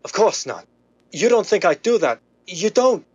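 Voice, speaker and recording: A man playing a smooth but nervous crooked businessman in a 1930s style radio drama. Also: sits high, sing-song, moderate pace, darkish tone, full character voice. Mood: flustered panic. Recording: dull band-limited vintage-style radio sound.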